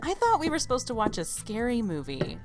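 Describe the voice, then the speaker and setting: A woman playing an excitable, blunt young friend with an emphatic, casual way of talking in an audio drama. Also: fairly high pitch, fairly quick, music in the background. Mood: excited, blunt.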